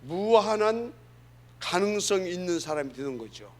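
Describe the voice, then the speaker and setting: A man's voice: high voice, expressive, normal speed. A middle-aged male pastor preaching a sermon in a church, earnest and emphatic, often asking the congregation questions.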